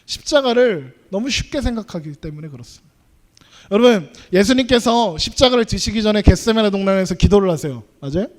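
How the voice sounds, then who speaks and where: Young male youth preacher, high voice, chatty sermon style full of questions to the room. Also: lively intonation, fairly quick. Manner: conversational, asks the audience questions.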